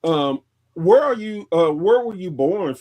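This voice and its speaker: A man hosting a podcast interview, asking questions in a halting way with many pauses. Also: sits high, lively intonation, mellow. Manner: halting, many fillers and restarts. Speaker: podcast host. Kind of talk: casual interview talk.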